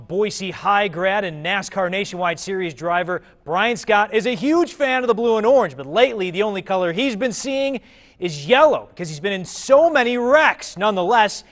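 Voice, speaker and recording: American guy sports anchor, pretty high voice, punchy scripted tv delivery. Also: lively intonation, normal speed, a bit bright.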